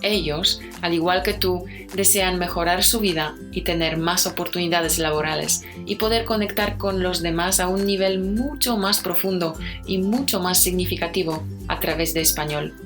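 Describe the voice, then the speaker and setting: Spanish-accented woman teacher, podcast host, somewhat low voice, clear delivery over background music. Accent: Spain. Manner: clear, slow explanations.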